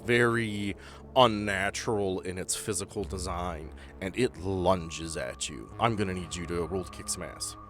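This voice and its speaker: A game master with a very deep, low voice narrates a tabletop horror game, leading players through a creepy adventure. He describes scenes and builds dread with measured pauses, while soft music plays faintly underneath.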